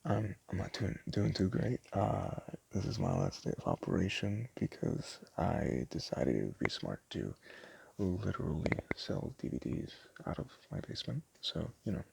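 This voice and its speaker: A man doing a casual, improvised ASMR shopkeeper roleplay, soft-spoken and hesitant, rambling in a self-deprecating way. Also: sits low, wildly swooping pitch, moderate pace, vocal fry, noisy background. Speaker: ASMR roleplayer playing a small DVD shop owner.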